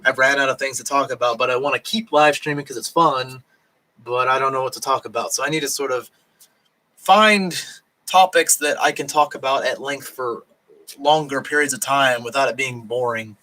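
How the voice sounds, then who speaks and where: A drunk man talking on a late-night live stream from home in Japan, rambling and halting, with lots of fillers and restarts and a voice that is starting to go hoarse. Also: medium pitch, pushed and bright, low-quality recording. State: voice going hoarse.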